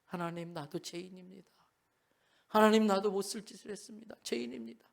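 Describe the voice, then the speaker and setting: A man's voice: high-pitched, steady tone, a little fast, creaky. A man voicing a young woman sobbing in prayer. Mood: tearful pleading. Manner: tearful, pleading.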